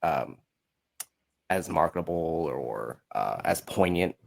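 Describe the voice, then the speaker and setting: Very deep-voiced man chatting casually. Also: expressive, takes it slowly, creaky. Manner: informal, hesitant, searching for words. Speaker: podcast guest, musical creator. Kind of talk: casual interview chat.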